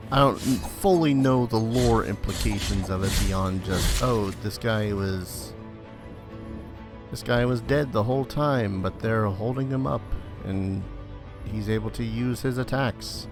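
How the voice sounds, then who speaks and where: A man's voice: lowish voice, a little slow. A man giving casual game commentary, muttering asides with some mild swearing and now and then reading game text aloud. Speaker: let's play host. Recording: game music behind voice. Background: video game music.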